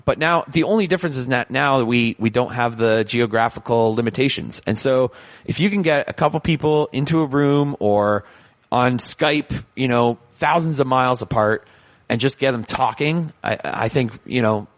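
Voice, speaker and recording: A man's voice: medium pitch, moderate pace, no room sound. A man from Canada, chatting as a podcast guest. He rambles in bursts and pokes fun at himself. His voice is dry and close, with no room around it. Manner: animated, rambling, self-deprecating. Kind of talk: casual conversation.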